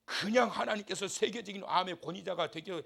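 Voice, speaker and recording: A male pastor preaching a fervent revival sermon in a church, swinging from shouts to quiet asides and leading the congregation in call-and-response. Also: high voice, a little fast, vocal fry. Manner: impassioned, shifts between shouting and soft asides. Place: church sanctuary.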